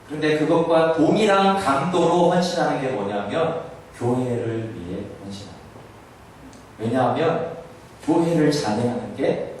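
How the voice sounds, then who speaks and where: A man's voice: mid-range voice, a little mellow, slight background noise. A man preaching a sermon to a congregation in a church hall. He often asks the listeners questions and acts out Jesus's words as quotes. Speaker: pastor. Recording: very echoey room, voice heard from a distance.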